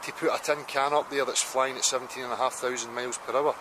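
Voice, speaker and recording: A man's voice: mid-range voice, steady tone, quick pace. A middle-aged Scottish man questioning a stranger insistently on a riverside footbridge, holding a handheld mic. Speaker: street interviewer. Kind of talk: street interview. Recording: loud outdoor traffic noise.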